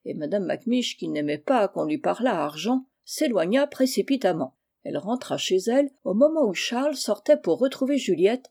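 A woman reading a classic novel aloud in calm, measured storybook narration. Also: medium pitch, husky. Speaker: audiobook reader. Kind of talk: scripted narration.

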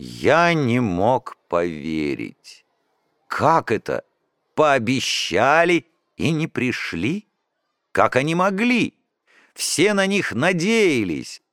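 A man narrating a children's audiobook in an expressive first-person storytelling way. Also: mid-range voice, slow pace, no room sound, clean studio sound.

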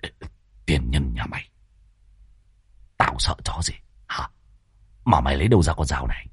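A man voicing a grumpy bald old village man in a spoken ghost story, with a gruff, muttering manner. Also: a bass voice, animated, measured pace, fairly bright tone, no room sound, clean studio sound, pitched below the performer's own voice, heavily acted. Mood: hushed gruff.

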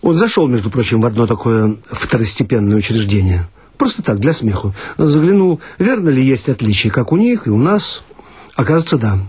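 Husky, lively comic storyteller man. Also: mid-range voice, a little fast, dry recording. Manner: ironic, mock-serious, animated. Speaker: narrator. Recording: dry archival radio recording.

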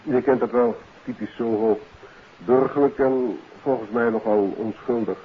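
An actor playing an easygoing, dutiful police inspector reporting to colleagues in a 1950s radio drama. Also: male voice, mid-range voice, fairly even intonation, measured pace, close to an everyday voice. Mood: casual, reporting. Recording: muffled 1950s radio recording, faint noise.

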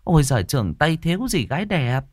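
A man voicing a sharp-tongued, spiteful young woman singer in a storybook reading, talking in a taunting, gossipy way. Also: fairly high pitch, sing-song, fast talker, no room sound, clean studio sound, voice pushed up. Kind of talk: storybook narration with voiced characters.

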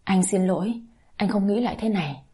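A woman's voice: medium pitch, a little fast, breathy edge, natural voice. Việt, a woman voicing a torn young husband. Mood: gentle. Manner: soft, weary.

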